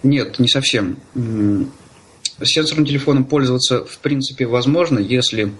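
A man giving conversational interview answers in a halting, hesitant way, often searching for words. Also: medium pitch, breathy edge. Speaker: interview guest, blind user of assistive technology.

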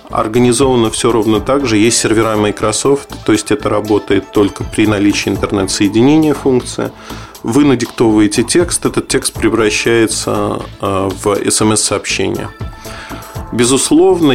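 Casting: male gadget reviewer, matter-of-fact and doubtful, fry-laden voice, quiet music bed. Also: lowish voice. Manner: matter-of-fact, skeptical, explanatory. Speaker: tech reviewer. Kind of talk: informal spoken product review, loosely scripted.

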